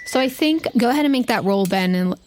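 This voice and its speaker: A woman's voice: on the high side, animated, fast, background noise. A woman running a tabletop game, narrating off the cuff and putting questions to the players. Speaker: game master.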